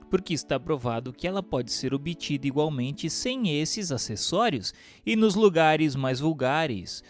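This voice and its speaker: A man narrates a formal text in a measured, deliberate way. His voice sits a little high and rises and falls in wide, lively swings. Soft music plays faintly beneath the reading. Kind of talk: scripted reading of a spiritist book.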